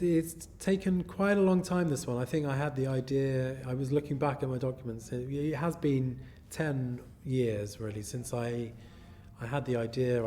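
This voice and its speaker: A man who developed and co-wrote a film, looking back on the long process in a reflective, measured way during an interview. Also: medium pitch, mellow, slight background noise. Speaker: producer and writer. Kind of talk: relaxed interview talk.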